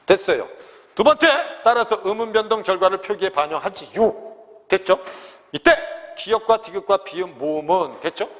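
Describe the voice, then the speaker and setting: A Korean language teacher lectures students on exam grammar in a large hall, his voice sitting high and a bit bright at normal speed. He constantly checks whether they've understood and refers to himself in the third person as "teacher."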